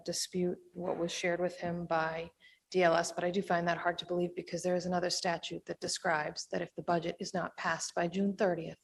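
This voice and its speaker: A woman speaking as a city chief of staff at a council meeting, polite but skeptical. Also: fairly low pitch.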